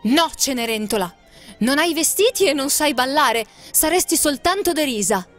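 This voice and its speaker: A haughty stepmother from a storybook, voiced by a woman reading aloud, cold and dismissive as she turns the girl down. Her voice sits a little high and clipped, and soft music plays behind it. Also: lively intonation, moderate pace. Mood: scornful. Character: stern haughty stepmother, middle-aged woman.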